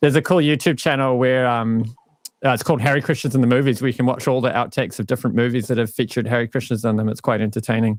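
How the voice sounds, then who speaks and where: With a New Zealand accent, this man talks at a very fast pace in a medium pitch, his loudness very even and his intonation fairly even. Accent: full New Zealand. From New Zealand and Canada. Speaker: Hare Krishna practitioner, religion channel host. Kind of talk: casual interview. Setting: live stream video call. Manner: hesitant, many fillers.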